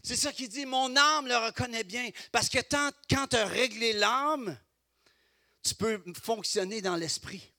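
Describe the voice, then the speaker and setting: A middle-aged man with a Québécois French accent preaching a sermon as pastor, swinging between loud exclamations and quiet, confiding asides. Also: very high-pitched, measured pace, dry recording, clean studio sound.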